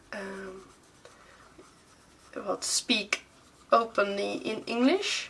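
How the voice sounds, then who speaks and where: A woman talks at a very slow pace with long, frequent pauses and ordinary pitch variation over noticeable background noise. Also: medium pitch for a woman. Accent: Dutch. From Netherlands. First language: Dutch. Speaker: artist and art teacher. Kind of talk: casual chat to camera. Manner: hesitant, many fillers.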